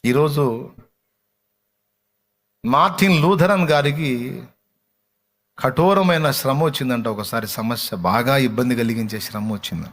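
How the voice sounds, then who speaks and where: A man's voice: mid-range voice, a little slow, long pauses. A male preacher, preaching expressively and acting out the people of the scripture story. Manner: expressive, voices dramatic quotes, affirms reader with short "aa". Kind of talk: sermon with Bible reading.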